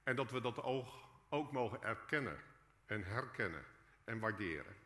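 A man delivers a sermon from a prepared text in a church, speaking in an earnest, measured way with rhetorical questions. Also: lowish voice, expressive, pushed and bright. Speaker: preacher, guest speaker in a church. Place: large church hall, indoors. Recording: echoey church hall with long reverb.

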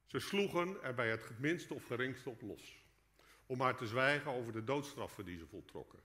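A man preaches a reflective sermon, turning to the congregation as he goes. His voice is bright and forward, and a long cathedral-like echo rolls behind every phrase in the church. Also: mid-range voice, expressive, normal speed. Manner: reflective, addresses the congregation directly. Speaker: lay preacher. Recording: long echoing church reverb.

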